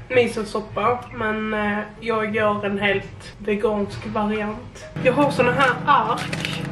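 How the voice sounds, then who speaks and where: A young woman in her twenties chatting casually as she cooks, explaining each step with plenty of fillers. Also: fairly high pitch. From Sweden. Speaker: vlogger. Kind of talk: casual cooking vlog. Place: small home kitchen indoors. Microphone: camera on the counter a little way off. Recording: echoey kitchen, camera mic from a distance, audible noise.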